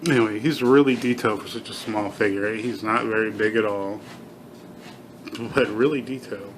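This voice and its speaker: A man's voice: fairly low pitch, normal speed, noisy background. A middle-aged man giving a casual, unscripted toy review, slightly slurring as if half his mouth is numb from facial palsy. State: half-paralyzed face from Bell's palsy, relearning to talk.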